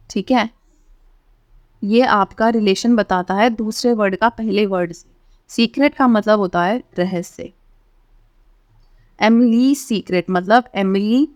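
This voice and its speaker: Indian woman, language teacher, unhurried and instructional, medium pitch, very dry recording. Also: dry recording. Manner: instructional, often checking in with short tags. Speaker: English teacher, channel host. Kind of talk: step-by-step language lesson with word-by-word translation.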